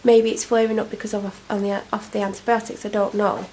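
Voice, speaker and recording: A woman's voice: mid-range voice, level tone, fast, warm tone, a little hiss or hum. A young woman with a cold, chatting and rambling to camera at home in a casual vlog. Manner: rambling, self-deprecating, chatty. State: congested, snotty from a cold. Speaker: vlogger. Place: at home, indoors. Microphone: camera mic.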